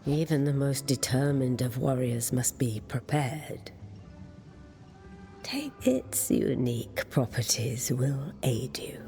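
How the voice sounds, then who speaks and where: A woman voicing an ancient, cryptic merchant in a video game, with a breathy, creaky voice and a measured, ominous delivery. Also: rumbling low, expressive, mellow, soft background music, heavily acted. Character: ancient, cryptic mystical merchant warning travelers. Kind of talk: video game character acting.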